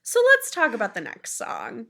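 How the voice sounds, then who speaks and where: A woman's voice: a little high, wildly swooping pitch, normal speed, creaky, over a noisy crowd. An American woman hosting a casual podcast, speaking bluntly and sardonically with plenty of swearing. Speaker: podcast host.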